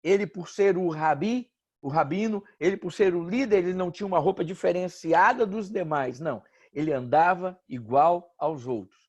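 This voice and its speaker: A Brazilian pastor, a man preaching an informal sermon with joking stories and animated asides. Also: high-pitched, moderate pace, highs cut off. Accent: Brazilian Portuguese.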